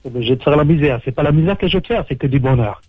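A man's voice: on the high side, lively intonation, very fast, husky, no room sound. A man on a phone call, boasting with hesitant fillers. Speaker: caller on a radio show. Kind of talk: phone conversation. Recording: dull lo-fi phone line.

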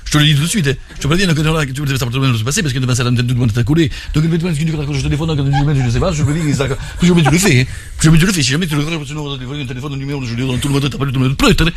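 A man's voice: medium pitch, very fast, voice pushed down, close to an everyday voice. A man putting on the voice of a jealous husband who leaves a threatening, rambling voicemail for a prank call. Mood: menacing rant. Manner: ranting, repetitive threats.

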